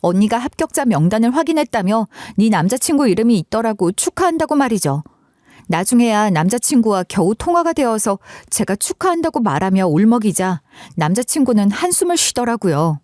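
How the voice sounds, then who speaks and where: A woman narrating a submitted story in first person, with an expressive, dramatic delivery. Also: on the high side, brisk, no room sound, studio quality.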